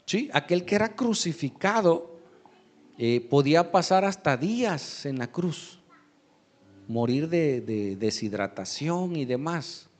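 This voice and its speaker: Male pastor, slightly high voice, unhurried preaching with acted-out quotes. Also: expressive. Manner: preaching with dramatized quotes and frequent "¿sí?" checks. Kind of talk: sermon.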